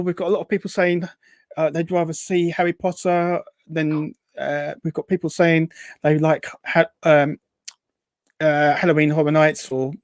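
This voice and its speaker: A man's voice: on the high side, no room sound. A man hosting a casual interview, hesitant and rambling, who says w for r. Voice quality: weak r sounds, says w for r. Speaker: host.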